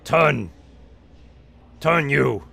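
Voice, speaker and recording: A man's voice: a little high, a little slow, gravelly, slightly rough, pitched above the performer's own voice, full character voice. A man voicing a brutish ogre guard who grunts broken commands. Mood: barking threats. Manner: forceful, grunting broken speech.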